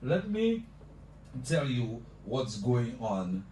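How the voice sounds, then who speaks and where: A man's voice: mid-range voice, sing-song, drawn-out words, mellow. A male radio host talking effusively on a live show, repeating "let me tell you" as he builds up his guest. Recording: echoey room, mic at a distance, noisy.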